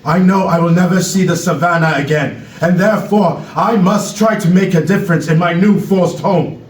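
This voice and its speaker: A man playing a solemn black panther in a stage play, giving grave, deliberate oratory to fellow animals. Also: high voice, lightly acted. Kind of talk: stage play reading, speech. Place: echoey room, away from the mic. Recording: roomy echo, distant microphone.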